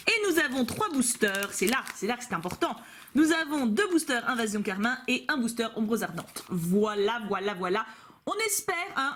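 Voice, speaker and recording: A woman's voice: on the high side, a little hiss or hum. A young woman vlogging as she opens trading card packs, bubbly and playful, full of exclamations. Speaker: vlogger opening trading cards. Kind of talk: chatty card-opening vlog.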